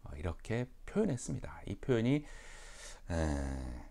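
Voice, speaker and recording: A male pastor preaching a sermon for an online church, animated and acting out quotes. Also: low voice, unhurried, gravelly. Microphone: online sermon recording.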